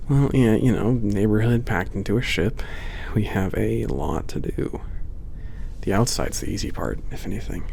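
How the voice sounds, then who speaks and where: A man playing a friendly, reassuring werewolf coworker in an ASMR roleplay, speaking softly and casually in a breathy, creaky half-whisper. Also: fairly low pitch, normal speed, slight background noise. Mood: easygoing, wry. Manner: casual, reassuring, hesitant conversational phrasing. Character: friendly werewolf coworker, male space port maintenance trainer, reassuring.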